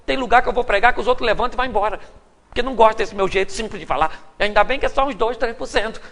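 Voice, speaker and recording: A man with a Brazilian accent preaches with a high, sharp, gravelly voice. He tells the story in a playful, joking way. The sermon is recorded in a hall with a long echo. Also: very fast. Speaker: pastor. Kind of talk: humorous sermon. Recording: reverberant live hall recording.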